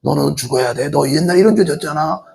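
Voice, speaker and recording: A man voicing a sly male devil who poses as a gentleman and taunts a pilgrim. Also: a little high, quick pace, gravelly. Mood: taunting. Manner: taunting, coaxing.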